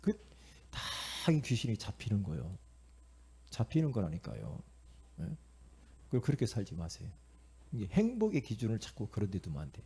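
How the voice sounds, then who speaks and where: A middle-aged man from Korea preaching a sermon as pastor, telling stories in an animated way, acting out voices and calling out to the congregation. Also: fairly low pitch, moderate pace, gravelly, long pauses, husky. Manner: animated storytelling, acting out inner voices and quotes; repetitive, calls out to the congregation.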